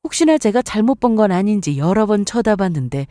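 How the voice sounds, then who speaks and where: Female story narrator, mid-pitched, dark mellow voice, scripted first-person delivery. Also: sing-song, fairly quick, no room sound, clean studio sound.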